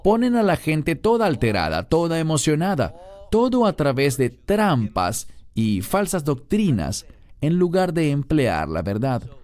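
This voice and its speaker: A man's voice: on the high side, huge pitch swings, a little slow, darkish tone. A man preaching a sermon verse by verse, reading scripture and then explaining it. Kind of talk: expository sermon.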